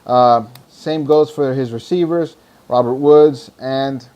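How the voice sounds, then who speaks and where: Hoarse, tired man swearing casually. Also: mid-range voice, takes it slowly, dark tone. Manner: loose, rambling, swears freely. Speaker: podcast host. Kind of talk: casual fantasy football talk.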